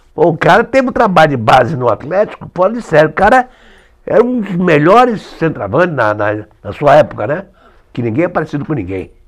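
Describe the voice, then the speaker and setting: Vocal fry runs through a man's voice. He talks fairly quickly, and his pitch swings very widely. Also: fairly high pitch for a man. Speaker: former professional footballer. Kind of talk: live TV sports chat.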